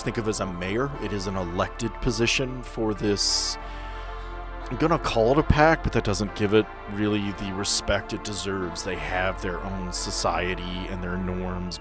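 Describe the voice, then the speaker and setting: Deep-voiced man running a tabletop game. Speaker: game master. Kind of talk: improvised tabletop game narration.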